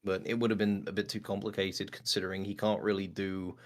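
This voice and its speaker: Lower-pitched man chatting as a guest. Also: little pitch movement, brisk. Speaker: interview guest, voice actor and creator of a parody series. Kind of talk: casual interview chat.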